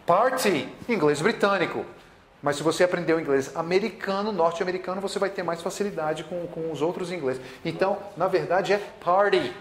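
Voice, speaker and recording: A man's voice: fairly high pitch, roomy sound. A man with a Brazilian accent teaching English in a classroom, drilling words with repetition and switching between English and Portuguese. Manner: plays imagined student questions. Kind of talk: classroom video lesson.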